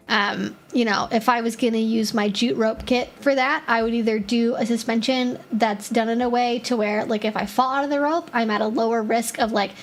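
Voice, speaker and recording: A woman hosting a casual live-stream Q&A, answering viewer questions in a chatty way, with lots of filler words as she thinks aloud. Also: a little high.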